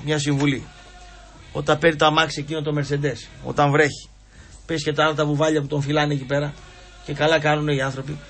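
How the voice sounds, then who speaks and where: Man, high voice, middle-aged, sports radio host, rambling, teasing, casual chat. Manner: rambling, teasing, mocking and animated, with lots of fillers.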